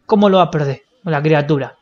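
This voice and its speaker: A man's voice: fairly high pitch, fairly quick, highs cut off. An Argentine man streaming a roleplay game, improvising joking, cocky banter full of street slang. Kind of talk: improvised in-character banter, casual slangy chat.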